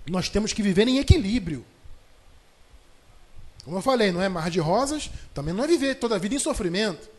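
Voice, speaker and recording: Brazilian pastor guy, kinda high voice, chatty preaching, drags out the bible verses slow and loud. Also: animated. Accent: Brazilian Portuguese. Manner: conversational preaching, drawn-out emphatic scripture reading. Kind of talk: sermon. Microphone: livestream microphone.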